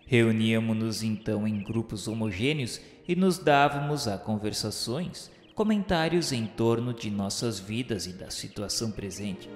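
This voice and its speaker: Solemn male narrator in echoing reverb. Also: mid-range voice. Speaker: narrator of a religious radio drama. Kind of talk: solemn scripted literary narration. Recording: echoey hall-like reverb with music. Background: music.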